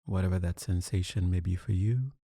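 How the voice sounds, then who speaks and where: A man leading a guided meditation, calm and soothing, speaking in deliberate short phrases with long pauses. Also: low voice, gravelly, no room sound, clean studio sound. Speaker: meditation teacher.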